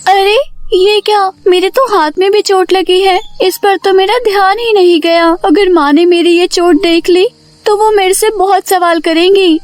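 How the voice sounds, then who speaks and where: A woman voicing an innocent, timid young village girl with an earnest, childlike manner in an animated story. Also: extremely high pitch, unhurried, no room sound.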